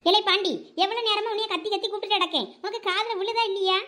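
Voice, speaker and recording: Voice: extremely high pitch, fairly even intonation, fast talker, bright, forceful tone. A voice actor playing a scolding, fed-up village mother-in-law in a cartoon, with a Thoothukudi Tamil accent. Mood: exasperated. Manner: scolding, nagging.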